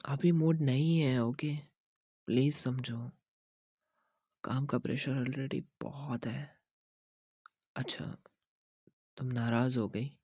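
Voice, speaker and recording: A man doing a whispered role-play as a boyfriend, talking softly, affectionately and teasingly, dropping English phrases into his speech. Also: medium pitch, steady tone, slow pace, long pauses, dry recording. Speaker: ASMR creator.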